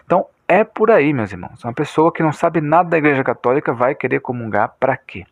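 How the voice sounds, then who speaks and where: A man's voice: on the high side, lively intonation, fast talker, dry recording, phone-quality sound. A Brazilian man giving informal religious commentary in a didactic, repetitive way, often checking that listeners follow.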